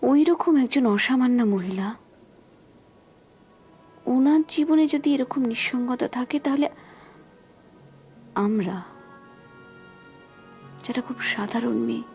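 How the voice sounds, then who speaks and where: Weary Bengali hospital patient, quiet, raised pitch, gravelly tone. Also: female voice, slow, pauses often, soft background music, full character voice. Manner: quiet, subdued, melancholy speech. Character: weary young woman hospital patient, brooding. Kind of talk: TV serial drama acting.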